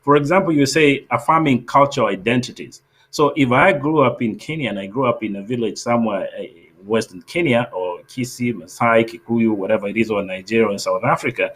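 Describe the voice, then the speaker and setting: A man hosting an interview, asking long, measured questions that frame each topic. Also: medium pitch, fairly bright tone, poor audio. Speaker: host.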